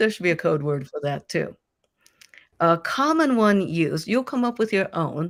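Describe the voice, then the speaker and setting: A woman speaks with a Japanese accent and lively intonation. The recording is very clean, with a silent background. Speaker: sex educator. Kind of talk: interview.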